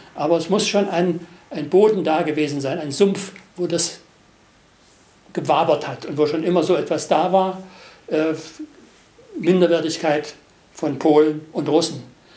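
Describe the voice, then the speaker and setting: With audible room echo and noticeable background noise, a man talks at a fairly slow pace with fairly even intonation and long, frequent pauses. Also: fairly high pitch for a man. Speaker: war witness. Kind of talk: testimony. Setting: interview. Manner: halting.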